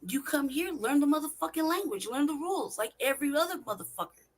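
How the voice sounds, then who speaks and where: A woman's voice: sits high, lively intonation, fast talker. Profane, emphatic woman ranting. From California, United States. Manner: profane, emphatic, rhetorical questions. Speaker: vlogger. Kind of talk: casual monologue.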